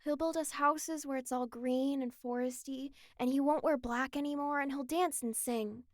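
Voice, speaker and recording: A woman voicing a small, gentle, anxious mage with a youthful voice and hesitant, simple phrasing in a fan-made audio drama. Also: steady tone, moderate pace, dry recording, clean studio sound, natural voice. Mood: dreamy, hopeful. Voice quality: high, bright, youthful.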